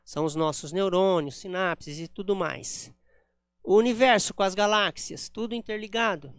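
A man's voice: high voice, moderate pace, fairly bright tone, clean tone, no echo. Man, spiritist lecturer, dry close sound, frequent tag questions. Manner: frequent "né?" tags, reflective explaining tone. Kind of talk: public lecture with slides. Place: spiritist center hall.

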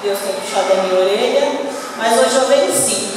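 A woman's voice: mid-range voice, noisy background. Earnest Brazilian woman in echoey church. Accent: Brazilian Portuguese. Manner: earnest, halting with fillers. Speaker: church member giving testimony. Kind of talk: testimony at a church service. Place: large church hall, at a pulpit. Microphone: handheld mic. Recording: echoey hall picked up from far off.

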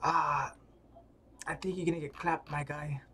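A man's voice: on the high side, fairly even intonation, a little slow, bright, forceful tone, a little hiss or hum. A man streaming a read-along, talking casually and slangily with muttered asides and reactions.

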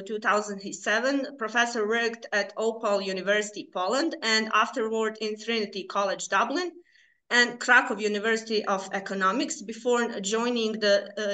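A woman moderator with a bright, fairly high voice reads out a lecturer's introduction. She stumbles now and then, adding fillers and informal asides between the formal phrases. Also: rough recording. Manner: hesitant, reads a biography with fillers and small asides.

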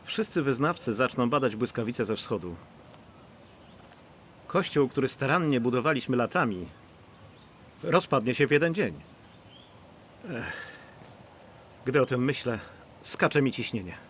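A man's voice: medium pitch, lively intonation, measured pace, pauses often, slight background noise, close to an everyday voice. A man dubbing a troubled pastor. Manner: anxious, troubled. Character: worried middle-aged male pastor. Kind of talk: Polish dubbing of a film.

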